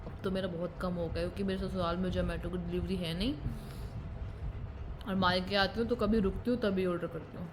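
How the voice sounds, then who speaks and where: A young woman from India chatting casually to her viewers as a vlogger, talkative and quick to laugh, filming on a phone around her family home. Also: fairly low pitch, steady tone, noisy background. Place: family home, indoors and outdoors.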